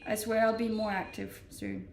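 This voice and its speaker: A chatty woman in her twenties from Denmark, talking loosely to her live stream viewers and often breaking into laughs. Her voice has a gravelly fry, and she sits back from the mic in a roomy, echoey space with a faint hiss underneath. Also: mid-range voice, big pitch swings, normal speed, a little mellow, recorded from a distance. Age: 20s. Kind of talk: casual chat reading stream comments.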